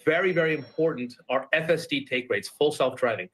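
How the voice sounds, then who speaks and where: A man appearing as a guest analyst in a business TV interview, explaining his points in a measured, step-by-step way. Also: mid-range voice, rough recording.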